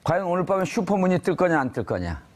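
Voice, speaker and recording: A man's voice: high voice, very animated, quick pace, crowd noise. A man hosting a live panel talk, bantering with his guests and teasing them with provocative, joking questions. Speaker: talk show host.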